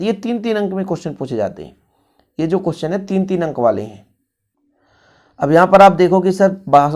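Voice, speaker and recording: A man's voice: a little high, a little mellow. A male physics teacher, going over exam revision questions in a casual, brotherly tone and talking straight to his students.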